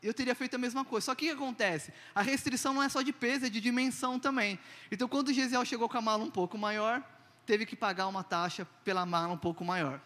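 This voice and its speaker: A man, preaching in an animated, self-mocking storytelling style and acting out dialogue. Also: extremely high pitch, fast, big-room sound. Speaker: preacher telling a testimony. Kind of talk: humorous sermon storytelling.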